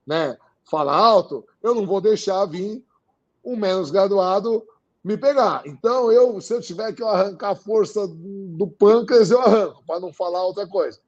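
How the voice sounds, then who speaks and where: A man with a Brazilian Portuguese accent talks at a fairly high pitch in a dark, mellow tone. He is animated and emphatic, driving his points home by repeating phrases. The recording is a little dull and muffled. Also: normal speed. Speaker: guest. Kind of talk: casual interview talk.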